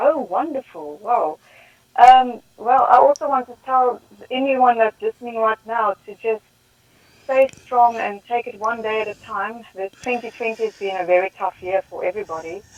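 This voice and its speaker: With an Afrikaans South African accent, a woman speaks at a moderate pace and fairly high pitch, with big swings in loudness. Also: ordinary pitch variation. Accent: Afrikaans South African English, West Coast. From South Africa, Melkbosstrand, West Coast. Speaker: musician. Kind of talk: interview.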